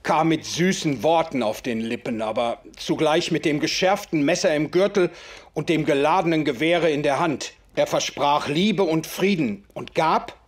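An actor playing an impassioned writer in a radio play, speaking in declamatory, old-fashioned formal sentences. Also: male voice, fairly high pitch, moderate pace, close to an everyday voice. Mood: indignant. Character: impassioned male writer defending the oppressed. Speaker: author figure in conversation. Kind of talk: German radio play acting.

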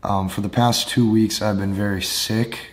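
A man in his thirties with a hoarse, nearly lost voice, speaking slowly and deliberately as a dating coach addressing the camera indoors. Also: lowish voice, fairly even intonation. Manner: slow deliberate delivery with emphatic hand gestures. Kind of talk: direct-to-camera advice talk. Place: indoor studio with lit brick wall.

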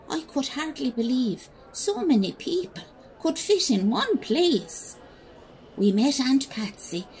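A woman's voice: medium pitch, a little mellow, breathy edge, exaggerated voice. An actress playing a wistful Irish emigrant woman, telling her memories in a reflective radio drama monologue with an Irish accent. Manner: reflective, unhurried storytelling. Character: wistful Irish emigrant woman recalling leaving home at seventeen.

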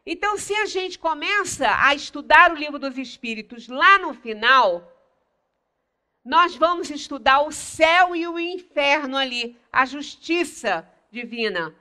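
Older brazilian woman teaching a study group, high bright voice, leans hard on single words, small room mic. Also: lively intonation. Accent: Brazilian Portuguese. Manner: explanatory, stresses single words with long pauses. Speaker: lecturer at a spiritist center. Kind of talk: religious study talk. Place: small meeting room, indoors.

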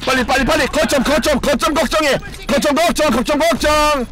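A man streaming a competitive game, commenting live, cheering teammates and shouting and swearing as he plays. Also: very high voice, fairly quick. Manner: excitable, shouts and swears during play; cheers on teammates with repeated calls.

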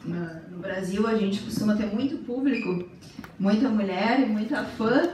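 A woman giving a relaxed, conversational talk at a conference. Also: mid-range voice, normal speed. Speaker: speaker at a talk. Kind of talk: public talk. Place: conference hall. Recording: echoey hall, distant mic, faint noise.

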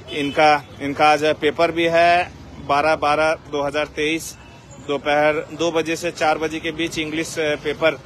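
A man giving a halting, repetitive live news appeal in formal address, recorded outdoors on a phone in a market street. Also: on the high side, a bit bright. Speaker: local news reporter. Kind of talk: live street report, unscripted public appeal. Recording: street noise around handheld phone recording. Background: street ambience and vehicles.

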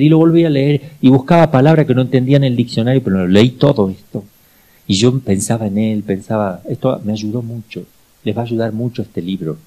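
An older priest delivers a sermon in a dark, mellow voice. He tells stories in a conversational way and acts out other people's lines with sudden high-pitched voices. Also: low-quality recording.

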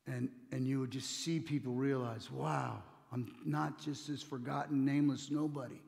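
A man's voice: mid-range voice, fairly even intonation, creaky, a little mellow. Earnest male pastor preaching in a reverberant hall. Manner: earnest, conversational preaching with quick restarts. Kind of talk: sermon. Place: church stage with communion table.

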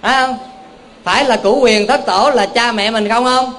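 In a temple hall, a male Buddhist monk gives a homely, joking dharma talk, constantly quizzing his live audience in call-and-response fashion. His very high voice is fairly bright and steady, at a moderate pace. Slight background noise can be heard.

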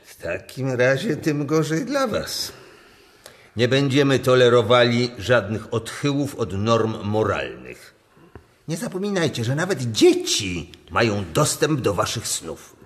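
A man playing a severe, accusing commission chairman in a radio drama, speaking slowly and moralizing. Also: medium pitch, very animated. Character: stern, accusing male chairman of a state commission. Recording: long hall reverb.

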